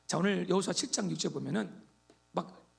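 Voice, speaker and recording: A man preaching a sermon as pastor, animated, swinging between loud exhortation and quiet asides. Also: sits high, brisk, creaky.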